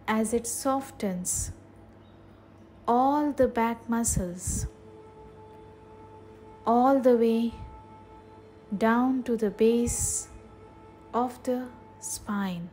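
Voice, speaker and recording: A woman leading a guided meditation in a soothing, measured way, leaving long pauses between short phrases. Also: a little high, a little mellow.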